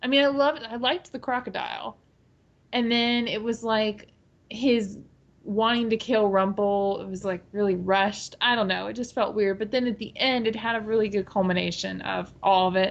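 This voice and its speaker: In an ordinary speaking voice, a woman talks at a fairly high pitch with fairly even intonation. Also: moderate pace. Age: 30s. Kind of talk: casual chat.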